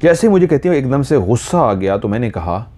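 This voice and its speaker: A man's voice: mid-range voice, big pitch swings, brisk, darkish tone. A man telling a horror story, earnestly retelling a listener's dream in first person and drawing out repeated phrases.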